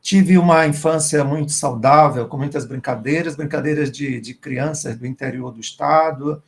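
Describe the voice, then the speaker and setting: Middle-aged male writer, guest at an online talk; raspy fry, fairly high pitch, warm reminiscing tone. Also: moderate pace. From Maranhão, Brazil. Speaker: writer and professor, guest speaker. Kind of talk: online literary conversation.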